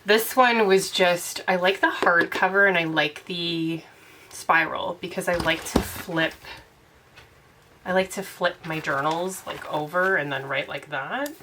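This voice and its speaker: A young woman hosts her own channel in a relaxed, rambling chat, her voice congested from a cold. She talks a little lower than most women and laughs easily between thoughts. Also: measured pace, background noise. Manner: chatty, rambling, laughs often. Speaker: tarot channel host. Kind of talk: casual chat to camera.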